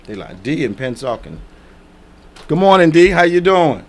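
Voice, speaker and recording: A man in his sixties hosting a call-in talk show, plainspoken and measured, repeating phrases for emphasis. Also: on the high side, very animated. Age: 60s. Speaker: radio talk show host.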